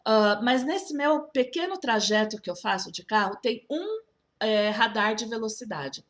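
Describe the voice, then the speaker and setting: A woman's voice: on the high side, animated, unhurried, fairly bright tone. A woman teaching English, explaining to viewers in a chatty way, often restarting and asking them questions. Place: school's own video channel.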